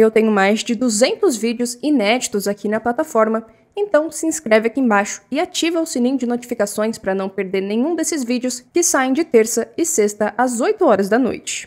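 A woman with a high voice and lively intonation talks at a moderate pace with hardly any pauses, over a quiet background. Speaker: true crime channel host. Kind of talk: channel intro to camera. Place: home room. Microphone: studio mic.

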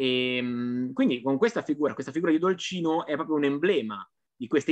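Here is a man with a plain, everyday voice. He talks at a fairly quick pace with lively intonation. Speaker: researcher. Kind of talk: academic presentation. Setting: video call.

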